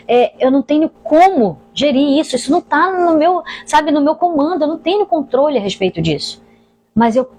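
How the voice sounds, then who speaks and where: A woman's voice: high-pitched, a little mellow. A woman pastor with a Brazilian Portuguese accent, sharing an earnest preaching testimony and speaking directly to her listeners.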